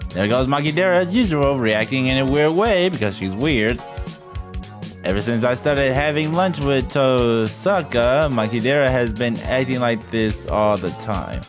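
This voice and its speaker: A man's voice: medium pitch, expressive, moderate pace. A man reading a visual novel aloud as a streamer, with casual, irreverent asides. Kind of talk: casual let's-play translation with commentary. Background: game music.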